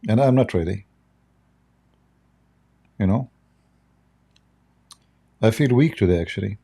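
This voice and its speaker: Man, hoarse livestream host, gravelly and dark, rambling jokey chat. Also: lowish voice, animated, slow. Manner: joking, rambling while fiddling with software. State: hoarse, losing his voice, coughing.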